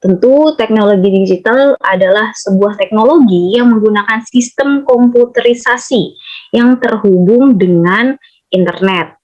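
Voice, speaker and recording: A woman presenting a training lecture from slides, explaining steadily and often pausing on hesitations. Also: on the high side, darkish tone, highs cut off.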